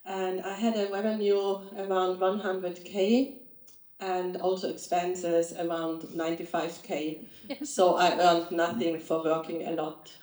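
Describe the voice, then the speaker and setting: Austrian woman panelist, low, mellow voice, earnest, echoey hall. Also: level tone, measured pace. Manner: earnest, some non-native slips. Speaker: nutritionist, panelist. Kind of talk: panel talk. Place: live event stage. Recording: echoey event room.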